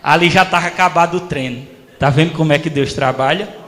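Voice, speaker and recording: Man, pastor, lively storytelling sermon, high bright voice, echoey church hall. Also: a little fast. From Brazil. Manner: animated storytelling, acting out voices.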